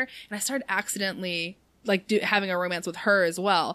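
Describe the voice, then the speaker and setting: This woman talks at a very fast pace in a medium pitch, her tone animated, bright and sharp. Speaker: podcast host. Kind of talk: casual chat. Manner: giggly, animated.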